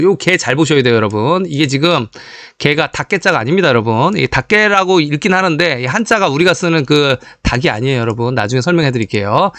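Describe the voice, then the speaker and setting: Guy lecturing on history, voice swings up and down a lot, fairly high, dry close sound. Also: no echo. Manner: animated, rhetorical questions, addresses viewers directly.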